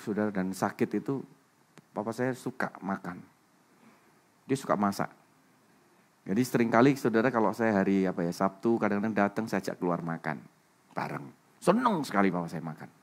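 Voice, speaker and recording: A middle-aged Indonesian man preaching a sermon in a conversational way, moving from quiet storytelling to loud, emphatic high points and often turning to his listeners directly. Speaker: pastor.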